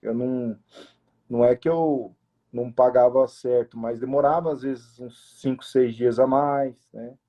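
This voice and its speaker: A man's voice: medium pitch, steady tone, unhurried, lo-fi sound. A young man who owns a family restaurant, telling his story in an interview in a casual, emotional way, with many restarts and quoted self-talk. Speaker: restaurant owner, interview guest.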